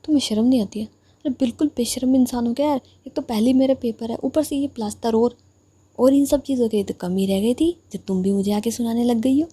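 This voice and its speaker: A woman's voice: on the high side, a little fast, dark tone, breathy edge, dry recording. A woman voicing a sarcastic, teasing young woman who bickers with a friend.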